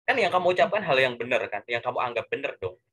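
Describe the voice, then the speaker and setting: A man giving casual career coaching, animated and full of rhetorical questions and filler tags. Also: medium pitch, quick pace, breathy edge.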